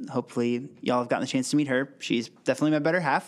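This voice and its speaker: A man talks with a Midwestern US accent. His pitch varies in an ordinary way. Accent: US Midwest. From Wisconsin, then Illinois from sixth grade. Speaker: children's pastor. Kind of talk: casual interview.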